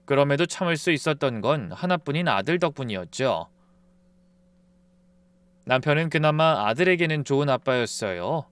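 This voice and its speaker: Male narrator, first-person story, calm, confiding, smooth, lively pitch, dry close mic. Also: normal speed, no room sound.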